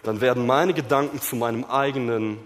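A man's voice: steady tone, a little fast. Dramatic male preacher in a reverberant hall. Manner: dramatic, swings between loud emphasis and hushed low delivery. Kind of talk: sermon. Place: church hall.

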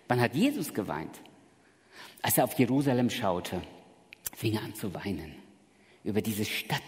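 A middle-aged man preaching a sermon in a church, with emphatic delivery that swings from soft to loud. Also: mid-range voice. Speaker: pastor. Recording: long reverb of a hall.

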